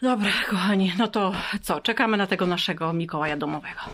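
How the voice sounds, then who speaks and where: A woman and mother chatting warmly in a home vlog, coaxing her child with questions. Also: fairly low pitch, fast, a little hiss or hum. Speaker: vlogger and mother. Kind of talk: casual family vlog.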